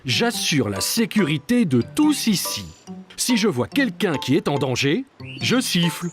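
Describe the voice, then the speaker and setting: A man's voice: on the high side, very animated, a little slow, music in the background. A man playing a kindly, reassuring, instructive grown-up in a children's cartoon. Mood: friendly, encouraging.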